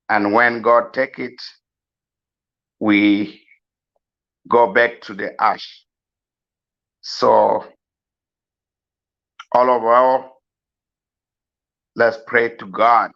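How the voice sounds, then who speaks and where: A man from South Sudan giving a slow, earnest farewell address, pleading with many pauses. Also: fairly low pitch, sharp tone. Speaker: mourner giving a eulogy. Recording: dull lo-fi recording.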